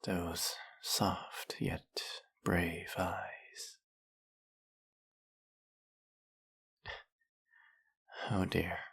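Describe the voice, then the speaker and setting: Man doing a snake-headed villain, very low voice, slow and measured, gravelly, formal and soft-spoken, audio roleplay. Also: level tone, in a whisper, heavily acted. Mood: gentle, soothing.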